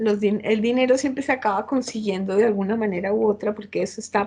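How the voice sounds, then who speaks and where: This is a woman speaking at a medium pitch. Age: 60s. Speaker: artist and educator. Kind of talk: webinar Q&A answers. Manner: halting.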